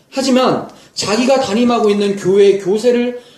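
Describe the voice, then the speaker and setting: A man speaks at a moderate pace in a high voice for a man. Audible room echo and noticeable background noise surround him. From South Korea, Daegu. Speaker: pastor. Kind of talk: sermon. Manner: conversational.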